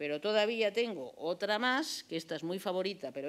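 A woman is speaking. Her intonation is lively. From Valencia, Spain; Spain. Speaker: retired art history professor; lecturer. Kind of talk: lecture. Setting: lecture hall with audience and microphone. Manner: fast. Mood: relaxed, amused at end. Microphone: podium.

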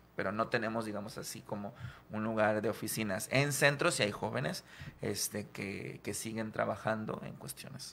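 A man's fairly low voice with lively intonation, vocal fry, big swings in loudness, a moderate pace and light background noise. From Tabasco, Mexico (Centla); Tabasco, Mexico. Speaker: psychologist and nonprofit president. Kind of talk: radio interview. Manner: hesitant, many fillers. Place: studio. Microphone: studio mic.

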